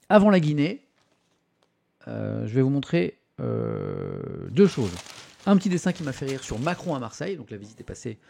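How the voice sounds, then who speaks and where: A man's voice: mid-range voice, gravelly, dark tone. A man hosting a casual live-stream press review, reading articles aloud with chatty asides to his viewers and plenty of hesitation sounds. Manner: chatty, many fillers, reads articles aloud with asides to chat.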